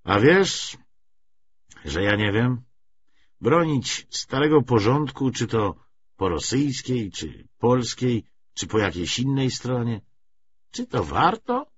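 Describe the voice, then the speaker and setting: Man as a hesitant, brooding young man, slightly husky. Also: mid-range voice, sing-song, dull audio, full character voice. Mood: hesitant, musing. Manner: halting, musing, noncommittal.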